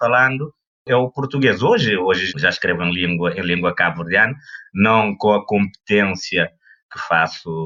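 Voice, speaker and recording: A man at a moderate pace, his intonation lively. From Cape Verde. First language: Cape Verdean Creole (speaking Portuguese). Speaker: poet and translator. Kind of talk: interview. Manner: halting, many fillers.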